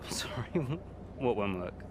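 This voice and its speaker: A cocky, condescending young racing driver in a game cutscene. His pitch swings around animatedly as he needles and feigns innocence, with clear vehicle noise behind him. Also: lively intonation, very slow. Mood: mocking. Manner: mocking, falsely innocent, chuckling condescension. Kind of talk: cinematic video game acting.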